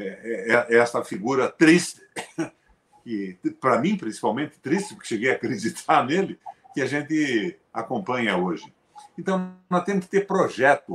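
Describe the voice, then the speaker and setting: A veteran politician in his seventies hosts a political conversation, speaking emphatically and forcefully, with sharp jumps in pitch and loudness.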